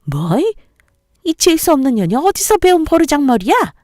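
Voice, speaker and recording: A domineering older mother-in-law scolds and insults in a harsh, bossy voice, as a woman reads her part. The tone is mellow rather than bright. The recording is dry and close, like a narrated story. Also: sits high, big pitch swings, moderate pace, no room sound, pitched above the performer's own voice. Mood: furious.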